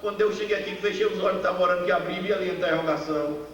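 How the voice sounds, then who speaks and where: A man's voice: high voice, fairly even intonation, very fast, a bit bright. A man from Bahia with a Bahian accent, preaching an emotional sermon and telling stories that rise into passionate appeals. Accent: Bahian Portuguese. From Bahia, Brazil. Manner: storytelling, voice rises into passionate appeals. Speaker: guest preacher. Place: large cultural center hall. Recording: echoey hall, distant mic, faint hiss.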